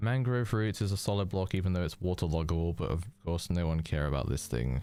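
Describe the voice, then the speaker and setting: With music in the background, a man with a very deep, low voice talks at a very fast pace with lively intonation. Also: very even loudness. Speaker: Minecraft streamer. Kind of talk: live stream chat reading. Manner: casual.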